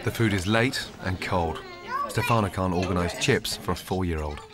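A man's voice: low-pitched, normal speed. A man reading a matter-of-fact voice-over for a reality TV show. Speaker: narrator. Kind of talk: scripted TV voice-over. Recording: voice-over over loud music bed.

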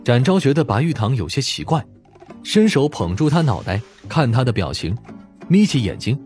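A man's voice: medium pitch, big pitch swings, normal speed, darkish tone, soft background music. A man narrating an audiobook as dramatic scripted storytelling.

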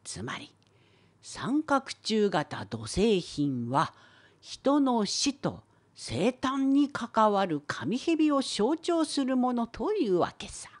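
A woman voicing a wise, opinionated old professor in an educational cartoon, with a creaky, husky old-timer voice and a wry lecturing manner. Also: a little high, sing-song, slow, full character voice. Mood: explaining. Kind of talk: scripted educational cartoon dialogue.

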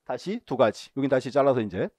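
A man's voice: medium pitch, lively intonation, brisk, a little mellow. A male lecturer giving an exam-prep lesson, asking questions and answering them himself, repeating key terms and telling students what to mark in the book. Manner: asks and answers his own questions.

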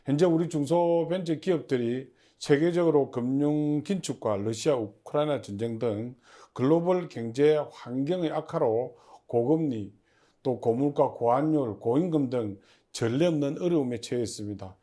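A man in charge of a public agency gives interview answers that are formal and a bit halting, as if he's partly reading from notes he prepared. His voice sits at a medium pitch with a warm tone.

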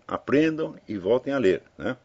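Husky older man, rambling commentary. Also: medium pitch, lively intonation, normal speed, darkish tone. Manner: rambling, tag questions, anecdotal. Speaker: commentator addressing listeners. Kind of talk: casual spoken commentary. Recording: dull lo-fi audio.

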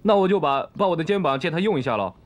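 A man's voice: a little high, expressive, rapid-fire, close to an everyday voice. A man playing a flustered young suitor. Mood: sheepish. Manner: flustered, pleading. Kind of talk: period TV drama acting.

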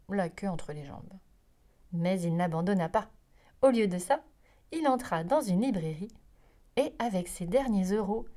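Mellow-voiced woman reading a children's story. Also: medium pitch. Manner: expressive, lively storytelling. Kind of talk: children's story read-aloud.

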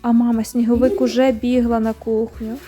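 High-voiced woman reading a bedtime story. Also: flat delivery, moderate pace, warm tone, faint music behind.

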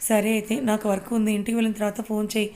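A worried husband presses with concerned questions, as a woman storyteller puts him on. The pitch stays flat and even, in a storybook telling. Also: racing, slight background noise, close to an everyday voice.

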